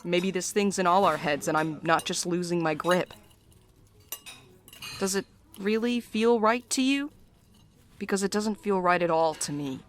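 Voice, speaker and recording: A woman's voice: fairly low pitch, a little slow, pauses often, slight background noise, close to an everyday voice. A woman playing a weary, sardonic mail carrier in a naturalistic audio drama, with a dry, guarded delivery. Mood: weary, uneasy.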